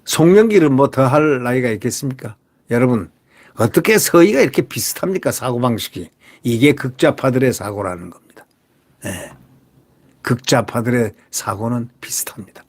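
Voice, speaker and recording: A man's voice: mid-range voice, expressive, moderate pace. A man hosting solo political commentary, talking emphatically and firing rhetorical questions at his viewers while repeating his catchphrases.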